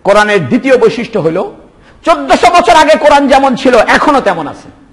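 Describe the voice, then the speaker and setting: High-pitched impassioned preacher. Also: male voice, big pitch swings, a little fast, fairly bright tone, in a large hall. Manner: impassioned, rhetorical questions, repeated exclamations of praise. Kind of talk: Bengali waz sermon.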